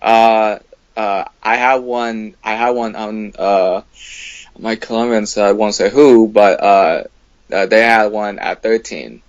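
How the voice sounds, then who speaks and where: Hesitant man with a fairly low voice, dry sound. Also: fairly even intonation, takes it slowly, no room sound, dull audio. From United States. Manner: hesitant, many fillers, blunt opinions. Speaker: guest. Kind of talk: casual conversation.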